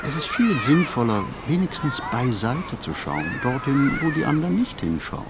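A man playing a pensive city wanderer in a radio play, narrating a literary monologue with deliberate, measured phrasing and pauses. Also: medium pitch, big pitch swings, noisy background. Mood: musing. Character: pensive male city wanderer musing on modern life. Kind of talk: scripted literary monologue, reflective first-person narration.

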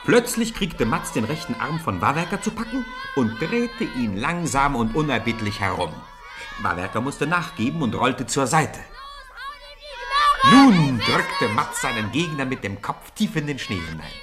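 A man's voice: medium pitch, a little slow, a loud crowd. A man narrating a children's radio play as a scripted, theatrical storyteller. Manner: theatrical, animated delivery.

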